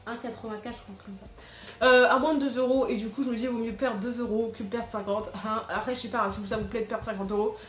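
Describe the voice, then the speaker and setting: A teenage girl runs through school-supply tips in quick, rambling chatter, often restarting her sentences. Her voice sits a little high. The room around her echoes. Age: teens. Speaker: vlogger. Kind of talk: casual back-to-school tips vlog.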